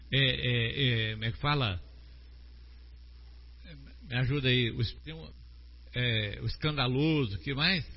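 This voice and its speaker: A man with a Brazilian Portuguese accent preaching a sermon slowly and with emphasis, asking his congregation questions. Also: medium pitch. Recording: long hall reverb, dull lo-fi sound.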